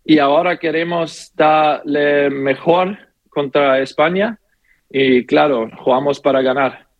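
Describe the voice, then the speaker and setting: This is a young man taking interview questions, his speech unhurried and full of pauses as he reaches for words in a language not his own. The sound is dry and close, with no room around it. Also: on the high side, dry recording, narrow, tinny audio. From Austria. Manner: halting non-native speech, many pauses and fillers. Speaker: footballer guest. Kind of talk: phone interview answers.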